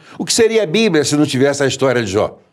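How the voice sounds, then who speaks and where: A man's words come fairly quickly, his intonation lively throughout. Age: 70s. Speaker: pastor. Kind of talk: interview.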